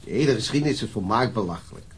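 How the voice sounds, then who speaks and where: An actor playing a dry, sardonic police chief in a radio drama, speaking in a clipped, wry, matter-of-fact way. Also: male voice, on the low side, expressive, racing, husky.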